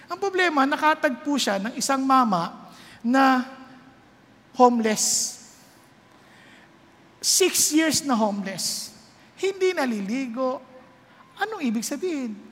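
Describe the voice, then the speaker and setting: Animated woman preaching in a hall. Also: sits high, takes it slowly, pauses often. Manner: animated, swings from loud exclamations to hushed tones. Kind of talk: Taglish sermon with storytelling. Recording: long hall reverb.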